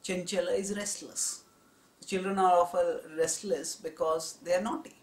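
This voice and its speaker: A man giving a spiritual discourse on scripture, in a measured, explanatory teaching tone. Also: sits high, fairly even intonation. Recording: roomy echo.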